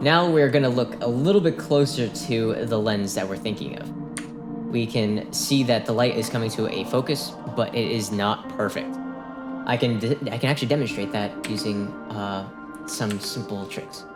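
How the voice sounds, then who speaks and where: Music runs in the background. A man speaks at medium pitch and a moderate pace with lively intonation. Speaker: 3D graphics artist. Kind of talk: screen-recorded software tutorial narration.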